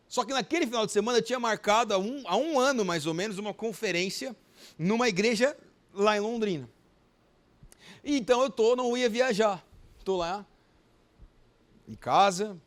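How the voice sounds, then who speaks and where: A pastor in his thirties telling a personal story in a sermon, emotional and full of repetitions, swinging between loud and soft. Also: sits high. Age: 30s. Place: church service.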